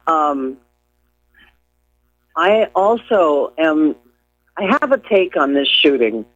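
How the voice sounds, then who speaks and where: Slow, hesitant male caller on a dull, dry phone line. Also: fairly high pitch, expressive, a bit bright, no room sound. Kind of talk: phoned-in radio call.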